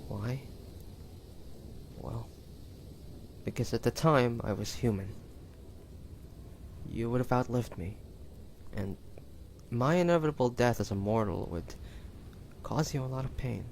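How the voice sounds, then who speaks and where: A man playing a tender, devoted hunter turned immortal in an intimate audio roleplay, speaking haltingly and emotionally to a lover. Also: medium pitch, darkish tone, slight background noise. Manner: halting, emotional, breathy sighs and whispers.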